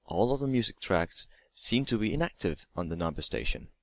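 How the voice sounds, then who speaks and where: A man's voice: low-pitched, animated, fairly quick, vocal fry, no room sound. A man reading a scripted creepypasta story aloud as narrator, now and then stumbling over and repeating words. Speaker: narrator of online horror stories.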